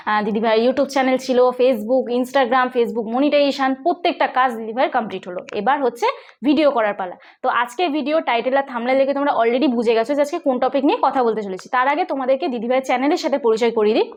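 Racing along in a high-sitting, darkish voice, this woman with a West Bengal accent hosts a tech vlog. Her casual tutorial style is chatty, with frequent checks on whether listeners are following.

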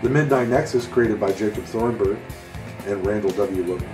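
A man's voice: lowish voice, moderate pace, recorded from a distance. A man reading a scripted credits announcement as the announcer of a show. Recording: roomy echo, off-mic, music underneath.

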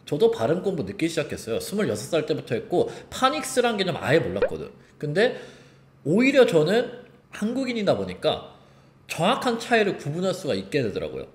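Male online teacher, fairly high and very animated, pronunciation lesson, roomy echo. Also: fairly quick, slight background noise. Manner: lively, explains and demonstrates sounds. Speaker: English teacher.

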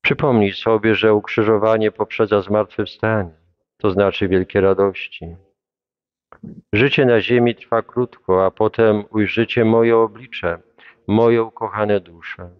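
A man reading a devotional Passion text aloud in a solemn, measured, reverent way. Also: lowish voice, fairly even intonation, clean tone, dry recording, muffled recording.

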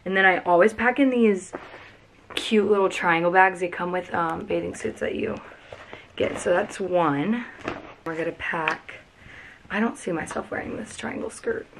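A young woman with a drawl chats and gushes through a casual vlog, her voice sitting slightly low. She is recorded in a cluttered bedroom by a camera a few feet away. A faint background hiss runs under her talk. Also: unhurried. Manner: chatty, gushing, lots of "like" and "freaking". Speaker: vlogger.

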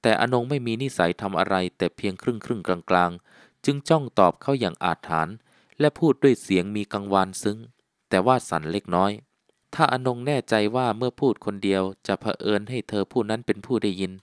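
A man narrating a literary novel as an audiobook, in a measured, even way. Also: lowish voice, clean tone, no echo, studio quality.

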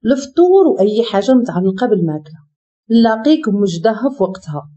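Woman doing a curt, bossy Moroccan husband, warm dark tone, muffled recording. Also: medium pitch, sing-song, fast, close to an everyday voice. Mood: stern. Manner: curt, commanding, threatening. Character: stern domineering young husband.

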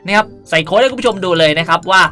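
A woman's voice: medium pitch, racing, fairly bright tone, faint music behind. A woman hosting a casual game tutorial, chatty and playful while staying polite to viewers. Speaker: gaming video host.

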